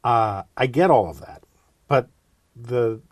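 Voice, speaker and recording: A man hosting a podcast, chatty and relaxed with many fillers. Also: medium pitch, takes it slowly, slightly rough, no echo, clean studio sound. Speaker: podcast host. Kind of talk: casual podcast interview.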